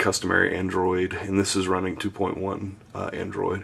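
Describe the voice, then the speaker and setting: A man talks in a Southern US accent. His pitch is fairly low. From US South. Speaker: tech reviewer. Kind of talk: product review demo. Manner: casual, with frequent fillers.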